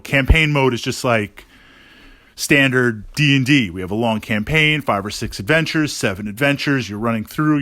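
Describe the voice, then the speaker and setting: A man giving a casual podcast monologue as a gaming host, thinking aloud haltingly and repeating words for emphasis. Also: mid-range voice, bright, forceful tone, dry recording.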